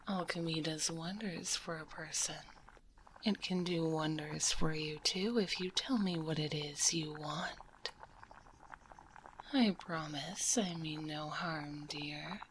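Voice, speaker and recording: A woman voicing a kindly, gently teasing witch alchemist in a soft, breathy ASMR roleplay, close to a binaural microphone. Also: low-pitched, slight background noise, poor audio. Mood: coy, welcoming. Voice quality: soft, breathy, half-whispered. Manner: unhurried, soothing, calls listener dear.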